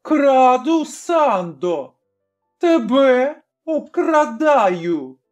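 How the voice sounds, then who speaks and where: A narrator voicing a rough young village man who threatens and mocks slowly, in an audiobook. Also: mid-range voice, darkish tone, faint music behind, voice pushed up, natural voice. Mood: mocking. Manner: slow, taunting, threatening. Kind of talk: audiobook character voice.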